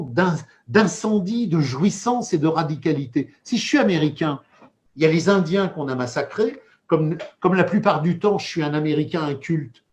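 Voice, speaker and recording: Male commentator, fairly high voice with wide swings, emphatic repetitive rhetoric, heated political monologue. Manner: emphatic, rhetorical repetitions, dense theoretical vocabulary.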